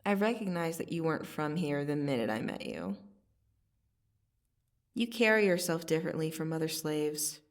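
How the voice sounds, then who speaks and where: A woman playing a cocky, teasing vampire assassin in an ASMR roleplay, casually menacing, with a sardonic delivery and long pauses. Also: deep voice, animated, distant mic. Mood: teasing, matter-of-fact. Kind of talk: ASMR roleplay monologue to the listener.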